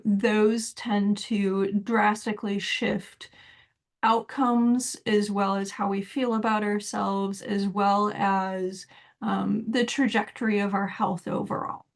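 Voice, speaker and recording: A woman giving a reflective solo talk as a spiritual teacher, measured and thoughtful with soft laughs between points. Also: mid-range voice.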